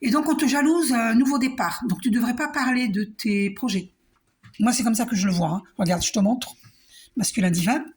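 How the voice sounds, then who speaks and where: A woman doing a calm, reassuring spiritual card reading. She talks to the viewer, repeats herself and uses many fillers. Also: on the high side, normal speed. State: coughing a little. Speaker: card reader.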